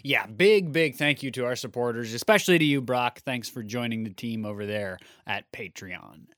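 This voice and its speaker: Male podcast co-host, deeper morning voice, chatty, dry close mic. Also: moderate pace, no room sound. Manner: relaxed, laughs easily, rambling asides. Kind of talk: casual podcast chat about theater.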